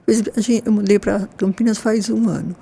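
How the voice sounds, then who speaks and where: A woman in her sixties, a nurse, talking warmly and expressively in a casual panel conversation. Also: medium pitch, fast talker, gravelly, slight background noise. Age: 60s. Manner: enthusiastic, expressive, with frequent "né?" tags. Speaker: nurse and guest.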